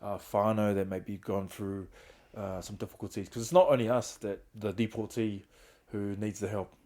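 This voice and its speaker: A man's voice: on the low side, steady tone, normal speed, mellow. A middle-aged man, a podcast guest candidly telling his own story, earnest and open about hard times. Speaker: guest, founder of a reintegration trust.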